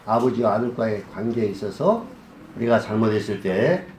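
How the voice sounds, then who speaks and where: A man's voice: lively intonation, normal speed. Pastor guy preaching, keeps asking the crowd questions, echoey church, a bit of hiss. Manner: asks the congregation questions and answers them himself; acts out scenes with a softer low voice. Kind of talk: sermon. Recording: echoey hall.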